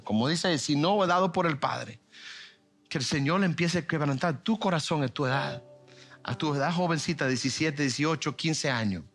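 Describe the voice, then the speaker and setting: Emphatic man preaching a sermon. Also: fairly high pitch. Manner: emphatic, swings from loud questions to quiet asides, acts out quoted voices. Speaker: pastor. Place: church.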